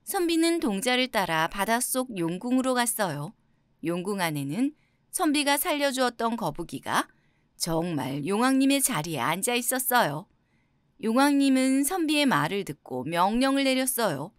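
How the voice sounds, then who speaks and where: Lively high-voiced woman storyteller. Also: normal speed, no echo, studio quality. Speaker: audiobook narrator. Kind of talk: storybook narration for children.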